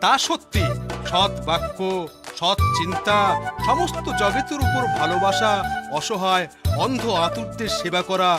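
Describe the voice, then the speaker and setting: Preachy village friend, cartoon, earnest, measured delivery, loud background music. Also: male voice, high voice, lively intonation. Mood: moralizing. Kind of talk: Bengali children's cartoon voice acting.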